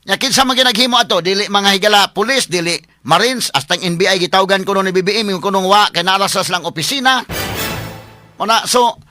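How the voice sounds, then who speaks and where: A man's voice: high-pitched, fast, sharp tone, no room sound, faint music behind. A man with a Cebuano accent hosting a casual political commentary vlog, chatting to viewers as friends.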